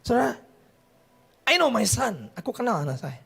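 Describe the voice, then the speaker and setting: High, gravelly-voiced preaching man. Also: big pitch swings, moderate pace. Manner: preaching, mixing in English phrases, rising to shouts. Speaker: pastor. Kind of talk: sermon. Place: church.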